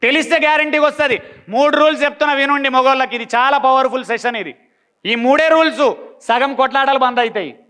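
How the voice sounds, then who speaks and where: A man gives a blunt motivational talk, with a high, bright voice. His tone is smooth and clear. He keeps firing rhetorical questions and repeating his lines. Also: fast talker. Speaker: motivational speaker.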